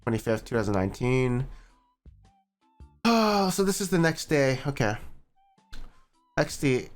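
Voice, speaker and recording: A male streamer reads a long written statement aloud in a mid-pitched voice, skimming ahead and waving off chunks as filler. Between passages he drops wry, sarcastic comments. Faint music plays underneath. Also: very animated, measured pace. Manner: skims text, skipping parts with "blah, blah". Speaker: streamer reacting to a post.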